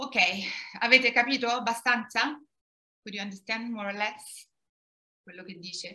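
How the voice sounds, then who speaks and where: A woman talks at a moderate pace with a bright, sharp tone and fairly high pitch. Her loudness swings widely while her pitch variation stays ordinary. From Italy. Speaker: Italian language teacher. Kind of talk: lecture.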